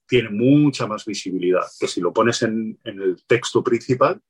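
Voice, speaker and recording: Low husky guy chatting as interview guest, explains stuff, lots of restarts. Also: expressive, normal speed. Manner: explanatory, many restarts and "pues". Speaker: guest, LinkedIn sales consultant. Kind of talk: casual interview talk, giving advice.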